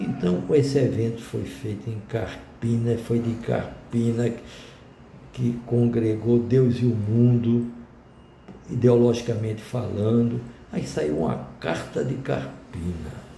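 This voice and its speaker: A man speaks very slowly at a medium pitch, his tone dark and mellow and somewhat breathy. His pitch varies in an ordinary way, and audible room echo surrounds him. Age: 80s+. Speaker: retired physical education administrator. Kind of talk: interview testimony. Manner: halting.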